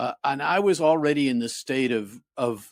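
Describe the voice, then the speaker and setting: Very slowly, a man talks with an American accent. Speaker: near-death experiencer, minister. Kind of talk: interview testimony. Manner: pauses instead of filler words.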